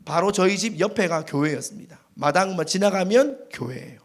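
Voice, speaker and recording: A male pastor preaching a revival sermon in a church, telling stories with animated, dramatic delivery. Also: high voice, normal speed. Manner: animated storytelling with dramatic acted quotes.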